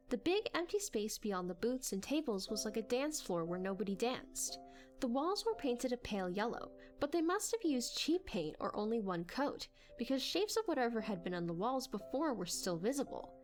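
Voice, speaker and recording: Woman, lively swooping delivery, high voice, expressive audiobook narration, music underneath.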